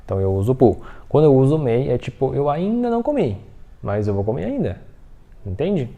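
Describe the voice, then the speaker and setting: A man teaching a Mandarin lesson, explaining patiently, checking in with the listener often and saying example phrases slowly. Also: mid-range voice, sing-song, vocal fry, narrow, tinny audio. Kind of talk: online language lesson.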